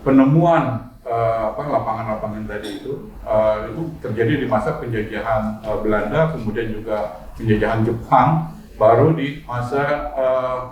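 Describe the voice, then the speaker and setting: A man in his sixties from Bandung with a Sundanese accent, answering interview questions calmly with many fillers. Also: mid-range voice, muffled recording. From Bandung, West Java. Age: 60s. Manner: many "eh" fillers, measured and friendly. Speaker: guest, former company president. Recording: roomy distant mic with faint noise.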